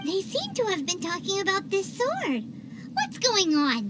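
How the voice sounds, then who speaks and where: A woman's voice: very high-pitched, wildly swooping pitch, a little slow, exaggerated voice. A woman voicing a small, chatty, nervous fairy-like companion in a video game who speaks of herself in the third person. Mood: curious. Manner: talks of herself in third person, skeptical remarks. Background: game music.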